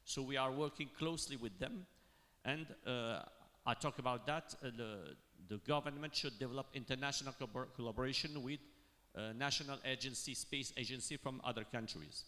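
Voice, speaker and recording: A man from Morocco speaking on a panel, halting and full of fillers and restarts. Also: medium pitch, bright, forceful tone. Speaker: university panelist. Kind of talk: panel discussion remarks. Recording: long hall reverb.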